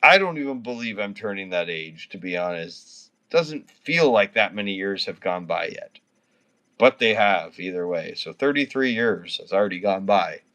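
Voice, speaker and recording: Chatting casually with his livestream viewers, a man in his thirties from Canada rambles drunkenly, slurring and swearing without letup. His voice is low-pitched, animated, and a bit bright, at a moderate pace.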